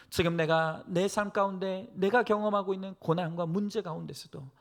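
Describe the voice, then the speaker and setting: A male pastor preaching and praying earnestly to a congregation, exhorting them with phrases that swell from hushed to emphatic. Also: on the high side. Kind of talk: sermon and prayer to a church congregation.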